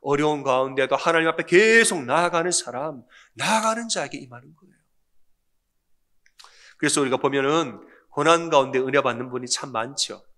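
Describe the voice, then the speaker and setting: A man's voice: animated, brisk. A man preaching a Sunday sermon as pastor, asking the congregation questions and answering them himself. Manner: acts out quoted lines in a softer, lower voice.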